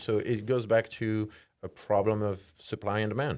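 On a very clean recording with a silent background, a man with a French accent speaks in a fairly low voice. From France. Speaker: insurance agent. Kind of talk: casual interview. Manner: prone to giggling.

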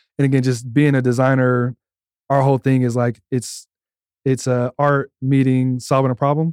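With an American accent, a man speaks at a medium pitch in a monotone, flat intonation, with very even loudness and a dry, close sound with no echo. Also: moderate pace. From US Midwest (Decatur, Illinois), then Oklahoma. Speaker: clothing brand owner and designer. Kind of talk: casual interview.

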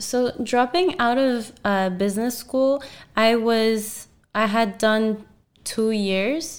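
Very slow and fairly high in pitch, a woman speaks with ordinary pitch variation in a very clean recording with a silent background. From Madagascar. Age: 20s. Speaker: artist. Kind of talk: interview.

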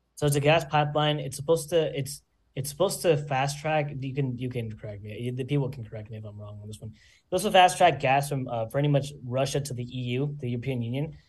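Very fast and with hardly any pauses, a man speaks in a somewhat breathy, fairly high voice whose loudness swings widely. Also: ordinary pitch variation. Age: 20s. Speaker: social media news creator. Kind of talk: casual chat.

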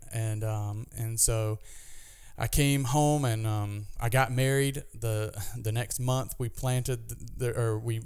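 His intonation stays fairly level throughout. The man has an ordinary speaking voice, pitched in the medium range. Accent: American. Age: 30s. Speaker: pastor. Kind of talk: interview.

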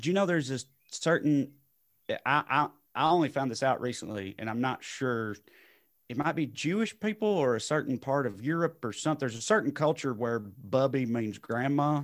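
The recording is very clean, with a silent background. A man with a Southern US accent talks at a fairly quick pace, his fairly high pitch carrying lively intonation. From US South. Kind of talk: casual chat. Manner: rambling.

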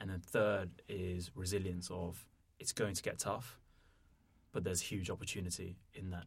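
In a London accent, a man talks at a moderate pace with a very deep, low, somewhat breathy voice and a flat, monotone delivery. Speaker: tech product lead. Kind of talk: interview conversation. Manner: halting.

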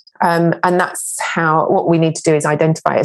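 A woman speaks at a fairly quick pace in a very deep, low voice, flat and monotone, with vocal fry. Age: 40s. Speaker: motivational speaker. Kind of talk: interview.

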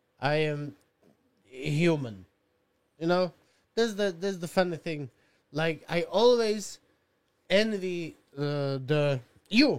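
In a Slovak accent, a man with a high pitch speaks very slowly with lively intonation and long, frequent pauses. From Slovakia. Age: 30s. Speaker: puppeteer and stand-up comedian. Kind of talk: casual chat. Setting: studio. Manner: animated.

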